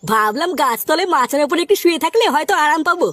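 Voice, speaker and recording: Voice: high-pitched, expressive, fast, a bit bright, a little hiss or hum. A performer voicing a hot-tempered, foul-mouthed village youth in a comic cartoon, whiny and slangy. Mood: grumbling.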